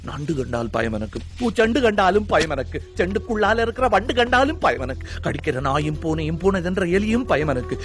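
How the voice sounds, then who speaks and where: An actor playing a timid man with a Sri Lankan Tamil accent who is afraid of everything, reeling off his fears to a doctor in rapid rhyming lists. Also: fairly high pitch, big pitch swings, fairly bright tone. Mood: anxious listing. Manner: rapid rhyming list-like recitation, nervous. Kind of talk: film comedy acting.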